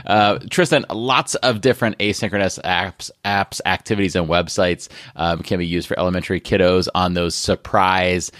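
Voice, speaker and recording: Low-voiced man hosting an education podcast. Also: fairly even intonation, moderate pace, few pauses, fairly bright tone, no echo, clean studio sound. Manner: chatty, friendly, rambling with restarts. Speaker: podcast host. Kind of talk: solo podcast segment.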